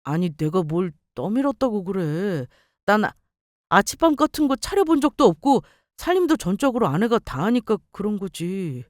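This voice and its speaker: A woman's voice: medium pitch, very animated, normal speed, dry recording, studio quality, close to an everyday voice. A woman voicing an irritated grown son who whines and complains. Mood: whiny. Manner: whining, exasperated complaints.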